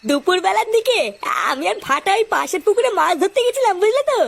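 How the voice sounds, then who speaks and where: Lady doing a nervous cartoon kid, really squeaky, whiny, all up and down. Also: expressive, fast talker, gravelly, full character voice. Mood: pleading. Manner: pleading, complaining. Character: anxious, whiny young village boy, the friend. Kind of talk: amateur comedy cartoon dialogue.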